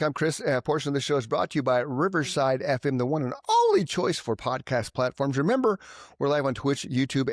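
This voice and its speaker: A man's voice: medium pitch, no echo, studio quality. A man in his fifties hosting a podcast, upbeat and enthusiastic, chatting casually and swearing now and then. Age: 50s. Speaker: podcast host.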